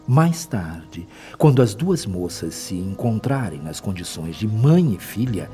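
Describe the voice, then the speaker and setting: An actor with a Brazilian accent playing a wise, gentle male spirit mentor in a radio drama, speaking in a measured, solemn, didactic way. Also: on the low side, big pitch swings. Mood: solemn, caring. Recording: long reverb, music behind.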